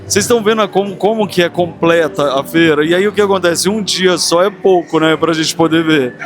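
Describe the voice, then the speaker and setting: A man's voice: fairly high pitch, fairly quick, music in the background. A Brazilian man hosting a casual walking vlog, speaking effusively and straight to his viewers in a busy fair. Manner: effusive, addresses viewers directly. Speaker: vlogger and host. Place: busy large craft fair. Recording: clear background noise of a busy fair.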